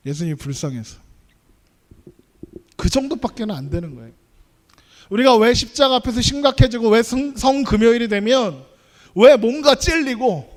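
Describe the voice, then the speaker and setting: High-voiced man preaching to youth. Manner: conversational, asks the audience questions. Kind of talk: sermon.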